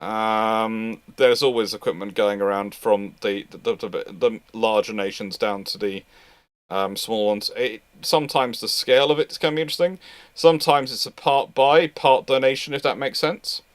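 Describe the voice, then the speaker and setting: A man's voice: on the low side, fairly even intonation, normal speed, clean tone, dry recording. A man hosting a casual live question-and-answer talk, hesitant and often restarting his phrases. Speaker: host of a live naval history question-and-answer show.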